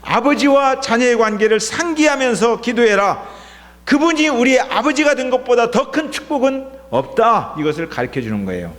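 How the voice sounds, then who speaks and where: Man, pastor, sermon, rhetorical questions, fairly high voice, long hall reverb. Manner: preaching with rhetorical questions to the congregation. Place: church sanctuary.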